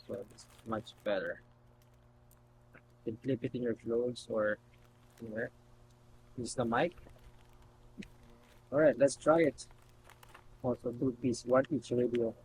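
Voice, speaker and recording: A man hosting a casual unboxing video, talking haltingly as he thinks aloud while handling things. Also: mid-range voice, steady tone, background noise. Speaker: video host.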